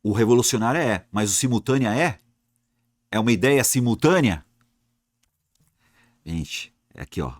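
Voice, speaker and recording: In a clean studio recording without echo, a man with a mid-range voice talks at normal speed, leaving long pauses. His lively exam-prep grammar lesson is aimed directly at the class, and he often asks himself questions before answering them.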